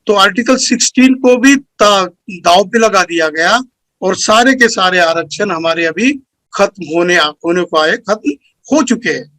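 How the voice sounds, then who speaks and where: Speaker, male, high voice, dry close sound; earnest, lecturing delivery, point by point. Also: unhurried, bright, forceful tone, no room sound, low-quality recording. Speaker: speaker at a community meeting. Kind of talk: formal speech.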